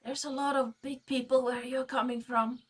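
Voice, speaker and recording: A woman's voice: sits high, little pitch movement, normal speed, a bit bright, breathy edge. A woman voicing a tiny, frail, leaf-hooded forest creature that talks in a childlike, stammering way. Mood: blunt.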